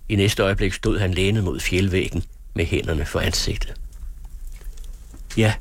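A man reading a literary novel aloud as an audiobook narrator, in a measured, earnest storytelling manner. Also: low voice, a little hiss or hum.

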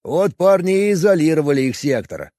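Man voicing a bear-like russian engineer, loud and teasing, husky and dark, lots of swing. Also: fairly high pitch, sing-song, fairly quick, no echo, clean studio sound, pitched above the performer's own voice. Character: big bluff hearty male Russian engineer.

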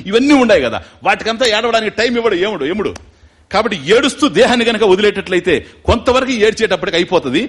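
A man giving a spiritual discourse, mixing explanation with slow, musical chanting of verses. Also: sits high. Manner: animated, chants Sanskrit verses slowly and musically. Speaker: spiritual lecturer. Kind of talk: devotional discourse.

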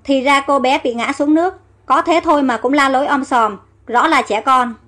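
A woman's voice: sits high, moderate pace, a bit bright. A woman voicing a jealous, scheming court lady who is scornful and falsely sweet, in a storybook reading.

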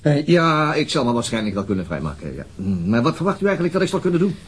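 A man's voice: on the high side, very animated, fast, breathy edge. A man with a Netherlands Dutch accent playing a sceptical, laconic police detective in a radio drama, terse and questioning. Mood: sceptical, wry.

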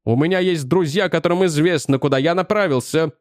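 A man voicing an agitated older male physics professor with a shrill voice, accusing and insistent. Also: fairly quick, dry recording, studio quality, lightly acted. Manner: accusing, insistent, increasingly frantic.

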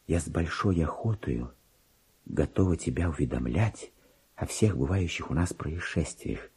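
A man's voice: a bass voice, expressive, unhurried, a little mellow, breathy edge, voice pushed down, exaggerated voice. Man putting on a prim, swooping little lapdog lady. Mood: gossipy, puzzled. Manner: prim, gossipy, singsong. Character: chatty, naive, pampered female lapdog writing gossipy letters. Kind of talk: theatrical radio letter reading.

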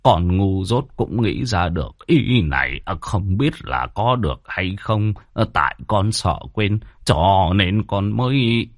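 Man doing a groveling, scheming old manservant, slow and pleading, low voice. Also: lively intonation, no room sound, studio quality, heavily acted. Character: cringing old male servant, scheming.

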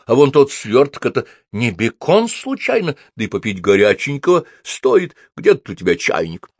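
A man's voice: mid-range voice, big pitch swings, moderate pace, dry recording, voice pushed up. A man voicing a feisty, bossy old woman who scolds and gives orders. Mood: indignant. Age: older. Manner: scolding, commanding.

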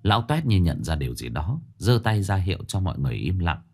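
A man narrating a ghost story, voicing the characters with lively delivery. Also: low-pitched, quick pace, faint music behind. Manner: lively, animated telling with voiced dialogue.

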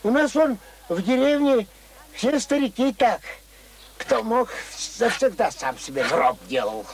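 Lively, folksy old village man. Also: extremely high pitch, measured pace, heavily acted. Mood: earnest, indignant. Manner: rustic colloquial speech, fond diminutives. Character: cheerful, folksy old village pensioner, talkative and stubborn. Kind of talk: radio drama acting. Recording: noisy old radio play recording.

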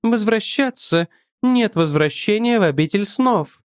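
Field: audiobook. Figure: high dreamy young courtesan voiced by a man. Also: animated, a little slow, clear, resonant tone, no room sound, studio quality. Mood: defiant. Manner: wondering, capricious. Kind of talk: audiobook character voice.

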